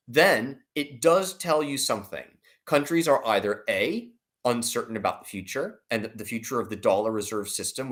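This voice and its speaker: A man with a mid-pitched, very lively voice gives expert commentary as a guest analyst. He explains in a conversational but emphatic way, putting rhetorical questions as he goes.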